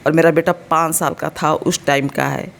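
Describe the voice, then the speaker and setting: A deep, creaky female voice with fairly even intonation moves at a moderate pace. The speaker is a vlogger in her thirties from India, with an Uttar Pradesh Hindi accent and a mildly sore throat, chatting casually at home, speaking straight to her viewers and explaining as she goes.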